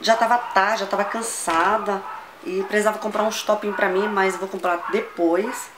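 A Brazilian woman vlogging a casual shopping haul, gushing and excitable, repeating words as she shows each item. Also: medium pitch, moderate pace, noisy background. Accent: Brazilian Portuguese. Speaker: fashion vlogger.

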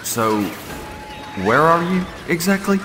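A man's voice: on the high side, expressive, takes it slowly. An actor playing a bewildered, hesitant everyman stranded in a strange place in a video game. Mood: wary, puzzled. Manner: hesitant, questioning. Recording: echoey, loud music underneath.

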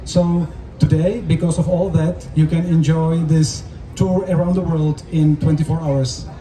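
A man with a Czech accent speaks in a soft, very dark tone at a slightly high pitch. He interprets formally for an event, heard from a distance over a roomy PA. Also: level tone. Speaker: interpreter and stage host. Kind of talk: live consecutive interpreting at a public event. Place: open-air covered festival stage. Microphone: handheld mic through PA, recorded from audience. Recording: roomy, distant stage PA sound with noise.

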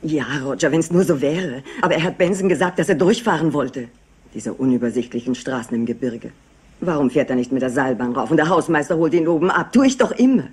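An actress playing a distraught, worried middle-aged wealthy wife who speaks insistently in a crime drama. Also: female voice, low-pitched, lively intonation, fairly quick, darkish tone, slightly rough. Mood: fretful. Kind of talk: dubbed TV crime drama acting.

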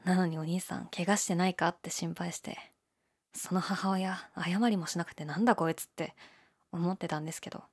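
A young woman playing a laid-back, shyly candid gyaru convenience-store clerk in an audio drama, with a breathy, hesitant, mumbled delivery. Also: fairly even intonation, brisk. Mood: shy, pleased. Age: young adult. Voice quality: low, breathy. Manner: listless, hesitant, mumbled casual polite speech. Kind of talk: male-oriented situation voice drama, casual chat.

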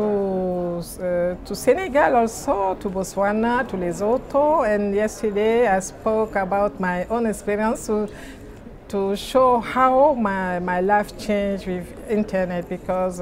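Middle-aged Cameroonian-accented woman, mid-pitched, interviewee with halting, word-searching delivery. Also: a little mellow, slight background noise. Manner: halting, searching for words in non-native English. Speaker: interviewee, NGO president. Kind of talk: interview answers. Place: large indoor conference venue lobby.

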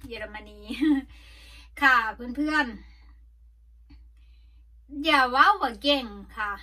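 A woman's voice: high voice, very slow, bright, forceful tone. A middle-aged woman with an Isan Thai accent, chatting casually and rambling in a vlog from a sauna, coughing now and then. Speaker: vlogger. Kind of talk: casual chat.

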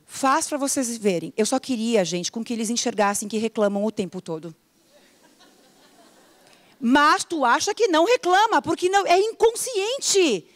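A middle-aged woman coach, giving an animated motivational talk and acting out everyday complaints. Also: a little high, no room sound, studio quality. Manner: animated, acts out complaints in quick mock voices. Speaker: coach and teacher.

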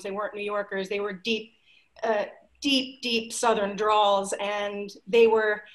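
A woman in her forties, a playwright, telling a heartfelt story softly over a video call from home. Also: a little high, poor audio. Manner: heartfelt, soft, trailing off, emotional. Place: home living room.

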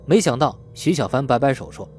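A man's voice: mid-range voice, expressive, a little fast, darkish tone, a little hiss or hum. A man narrating an audiobook in a scripted storytelling style. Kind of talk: scripted audiobook narration of an urban crime novel.

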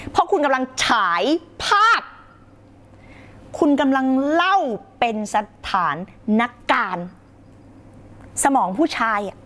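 Animated woman coaching on a live stream. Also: sits high, slight background noise. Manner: animated, acts out quoted couples' lines, calls viewers child.

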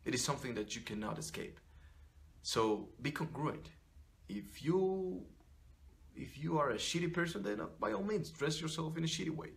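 A man's voice: on the high side, lively intonation, normal speed, gravelly. A man in his thirties, an image consultant, talking straight to camera in an unscripted, blunt and profane vlog, full of restarts and "you know". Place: small furnished room indoors.

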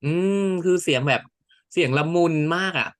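Bright chatty guy recapping a show w friends, laughs a lot. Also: on the high side, moderate pace. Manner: chatty, laughs often, animated retelling. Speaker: podcast co-host. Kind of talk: casual chat recapping a series.

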